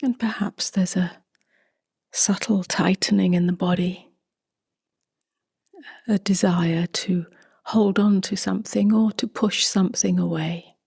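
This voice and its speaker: A woman leading a guided meditation in a soft, breathy half-whisper, with calm, gently spaced phrases. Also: medium pitch, measured pace, pauses often, dry recording, studio quality. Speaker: meditation teacher.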